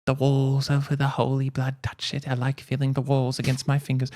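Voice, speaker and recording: A man voicing an eerie old woman at a church, talking in a soft, insistent murmur. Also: mid-range voice, completely flat delivery, a little fast, pitched above the performer's own voice, natural voice. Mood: eerie hushed.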